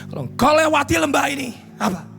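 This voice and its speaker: A man with an Indonesian accent preaching a sermon as pastor, telling a story that swings between hushed lines and shouted climaxes. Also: high voice, normal speed, faint music behind. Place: church stage at a pastors' conference.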